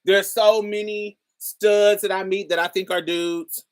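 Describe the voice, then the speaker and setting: A woman with a particularly deep voice, hosting a casual commentary and talking straight to her viewers in an emphatic, chatty way. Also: fairly even intonation, a little slow. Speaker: host.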